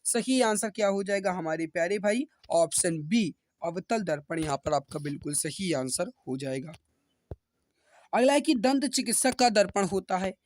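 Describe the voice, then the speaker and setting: A man's voice: high voice, animated, moderate pace, dry recording. A man teaching an online exam-prep class, who calls his students dear brothers and sisters and keeps repeating each answer. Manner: rousing motivational appeals.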